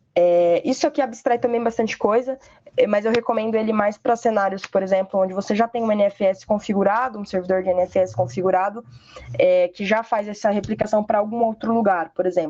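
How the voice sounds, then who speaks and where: The voice moves at a fairly quick pace. Its pitch varies in an ordinary way. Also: woman, medium pitch for a woman, very even loudness. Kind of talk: webinar presentation. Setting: online webinar. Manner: fast.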